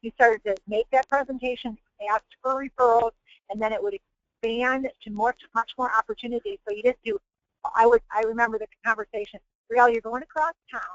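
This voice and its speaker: Higher-voiced woman coach, dull lo-fi audio. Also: fairly even intonation, brisk, dry recording. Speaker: webinar host and business coach. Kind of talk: coaching talk in a webinar.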